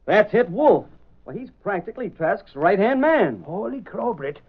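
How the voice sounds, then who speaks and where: An actor playing an excitable male newspaper sidekick in a 1930s radio drama, exclaiming his lines, on a scratchy, narrow old radio recording. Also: high voice, normal speed, breathy edge, full character voice. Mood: excited.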